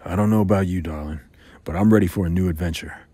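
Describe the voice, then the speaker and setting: An actor playing a protective, defiant yet tender male spy in an intimate audio drama, with a husky voice. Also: low voice, fast, noisy background, close to an everyday voice. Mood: flirtatious.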